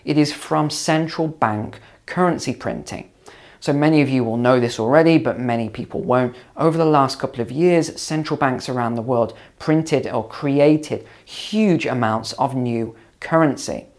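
A man hosting his own finance channel, slightly hoarse after long calls, explaining to camera in a conversational way with ums and repeats. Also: mid-range voice, moderate pace, a little mellow. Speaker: finance video host and mentor.

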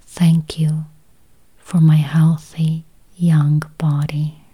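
A woman leads a guided meditation in a soft, whispery voice, gently speaking in short, spaced phrases. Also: sits low, flat delivery, very slow, husky. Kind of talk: guided meditation, counting and affirmations.

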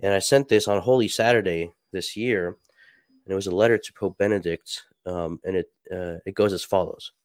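A man hosting a podcast, a little sick and stuffy, talking reflectively and reading passages aloud in a soft, halting way with many fillers. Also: deep voice, steady tone, no room sound. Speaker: podcast host.

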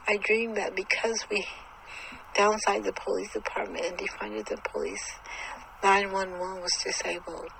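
A woman's voice: moderate pace, vocal fry, noisy background, close to an everyday voice. A woman voicing a terrified older mother who shrieks for help and then recounts a nightmare. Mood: shaken. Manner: panicked, high and shrill when scared.

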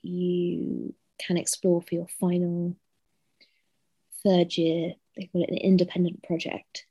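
A woman talks slowly as a podcast guest, pausing often with ums and hesitations. Her voice is mellow and warm. The sound is dry, with no room echo. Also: lowish voice, monotone, slightly rough. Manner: unhurried, hesitant, many ums. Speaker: guest artist. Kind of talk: casual interview chat. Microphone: video call.

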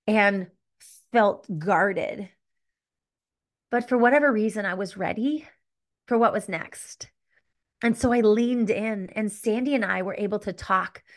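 A middle-aged woman hosting a solo podcast, telling a personal story candidly and reflectively, often stopping to correct herself. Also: mid-range voice. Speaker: podcast host.

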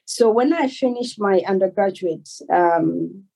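A Malawian woman in her forties, a doctor answering interview questions in a measured, earnest way. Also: medium pitch, animated, creaky, dark tone, low-quality recording. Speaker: guest, consultant doctor.

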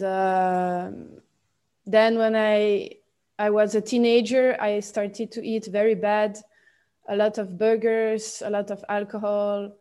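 A Swiss woman in her late twenties with a Swiss French accent, a podcast guest talking haltingly with many fillers and restarts. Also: medium pitch, mellow, clean tone. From Switzerland. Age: 20s. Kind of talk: podcast interview.

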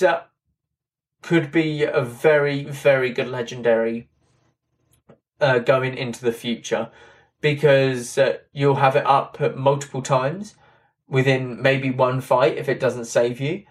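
Man with a drying, slightly hoarse voice. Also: mid-range voice. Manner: rambling, repeats "that kind of thing", fillers. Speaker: game content creator. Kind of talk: casual patch-notes commentary.

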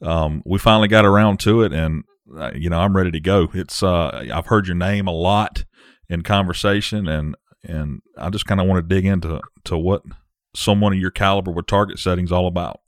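A man's voice: low-pitched, fairly even intonation, brisk, no echo, clean studio sound. A man hosting an interview show, asking casual questions with plenty of fillers. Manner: easygoing, filler-heavy questions. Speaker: podcast host.

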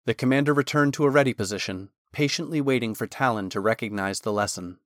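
A man reading a fantasy novel chapter aloud as a narrator, in a steady, measured storytelling manner. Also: mid-range voice, dry recording, studio quality.

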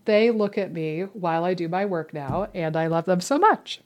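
Recorded on a webcam, this woman co-hosts a podcast with lively intonation at a normal speed. Her lowish voice carries a casual, playful chat sprinkled with dramatic asides.

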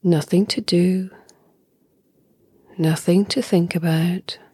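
A woman guides a meditation in a soft, breathy, lowish voice that often sinks close to a whisper. She speaks very slowly and calmly, leaving long pauses. The sound is close and dry. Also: no echo. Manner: calm, soothing, unhurried with long pauses. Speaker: meditation teacher.

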